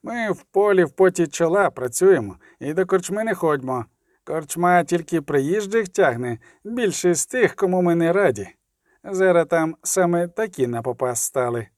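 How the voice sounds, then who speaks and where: A man's voice: high voice, animated, normal speed, darkish tone, no room sound, studio quality, voice pushed up. A man voicing a sullen, curt village settler. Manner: gloomy, curt. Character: sullen male settler, terse and distrustful.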